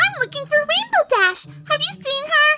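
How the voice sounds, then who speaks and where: In a put-on character voice, a woman talks fairly slowly at an extremely high pitch. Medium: read story. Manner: bubbly, excited, playful.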